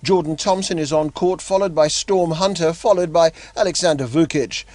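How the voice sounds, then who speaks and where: A man's voice: on the high side, normal speed, darkish tone, no room sound. A man delivering a scripted sports news report as a correspondent.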